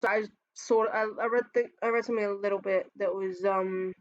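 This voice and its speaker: A man's voice: sits high, fairly even intonation, quick pace, dull audio. An Australian trans man with a feminine-sounding voice, ranting casually while reacting to memes, swearing often and rambling between sighs and laughs. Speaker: reaction video host.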